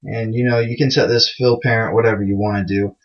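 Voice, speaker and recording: A casual guy explains code in a screencast tutorial, talking fast in a lowish, steady voice. He's loose and chatty, pokes fun at himself and uses many fillers, all captured on a dull lo-fi mic.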